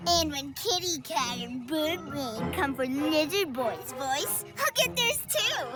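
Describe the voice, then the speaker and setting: A man's voice: very high voice, sing-song, takes it slowly, full character voice. A male actor playing a vain, scheming boy genius villain in a cartoon, boastful and theatrical, with music behind. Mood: gloating scheming.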